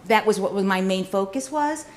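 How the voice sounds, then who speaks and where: A woman professor answering questions after an academic talk in an analytical, measured manner. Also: medium pitch, animated, a little mellow, a little hiss or hum. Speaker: law professor giving a book talk and taking questions.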